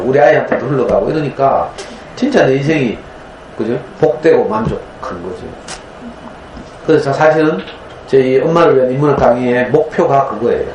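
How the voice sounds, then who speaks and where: A man lecturing warmly in a roomy hall. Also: a little high, slight background noise. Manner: folksy, storytelling, frequent tag questions. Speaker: parenting lecturer. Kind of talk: conversational lecture. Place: lecture room.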